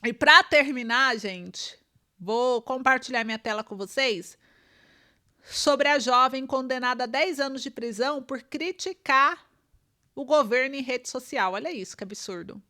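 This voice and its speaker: A Brazilian Portuguese-accented woman delivers online political commentary, reading news aloud to her viewers. Her voice sits high and sounds bright and sharp. She talks emphatically, pushing rhetorical questions at her audience. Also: a little slow.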